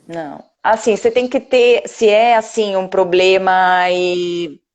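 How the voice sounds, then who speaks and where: A woman's voice: mid-range voice, fairly even intonation, slow pace, smooth. A woman, a fertility doctor, explaining rules plainly as a guest on a live video chat. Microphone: video call.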